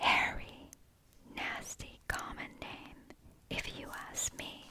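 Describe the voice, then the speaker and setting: Whispering at a very slow pace, a woman speaks. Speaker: ASMR reader. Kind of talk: ASMR book reading for sleep. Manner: soft-spoken, whispering.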